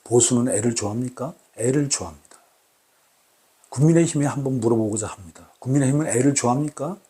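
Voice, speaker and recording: A man's voice: mid-range voice, dark tone. Man giving an emphatic solo talk. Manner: repetitive, emphatic rhetorical questions; formal, deliberate speech. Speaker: channel host.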